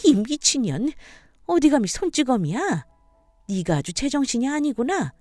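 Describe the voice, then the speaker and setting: A woman's voice: high-pitched, big pitch swings, moderate pace, a little mellow, no echo, soft background music, pitched above the performer's own voice. A woman voicing a contemptuous middle-aged mother-in-law who berates and insults her daughter-in-law.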